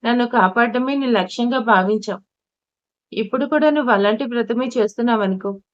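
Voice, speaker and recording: A woman's voice: fairly high pitch, fairly quick, no room sound, natural voice. A woman narrator voicing a devoted young husband who tearfully comforts his wife, speaking earnestly and pleadingly. The audio is dull and lo-fi. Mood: tearful reassurance. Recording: dull lo-fi recording.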